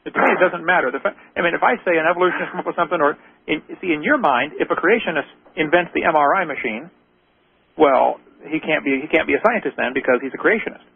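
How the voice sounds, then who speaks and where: Radio host guy lecturing a caller, fast and gravelly, phone-line tinny. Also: on the high side, a little hiss or hum. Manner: argumentative, lecturing, rhetorical questions. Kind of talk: call-in radio debate.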